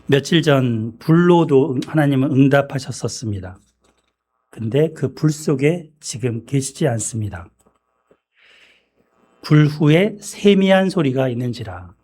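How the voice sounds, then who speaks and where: A man preaching a sermon in a church, speaking in a measured way and often clearing his throat. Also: medium pitch, lively intonation, warm tone. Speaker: pastor.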